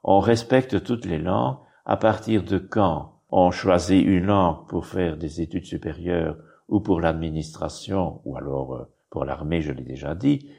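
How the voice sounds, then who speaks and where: A man's voice: low-pitched, a little slow, vocal fry, few pauses, mellow, husky. An older man, explaining history in an interview in a rambling, digressive way with frequent tag words. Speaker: bishop and historian guest.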